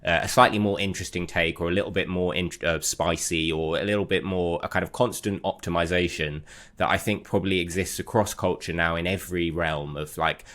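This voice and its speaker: A man's voice: deep voice, steady tone, a little fast, fairly bright tone. A man on a news podcast panel, talking in a rambling way and stumbling over his words. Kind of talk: casual chat.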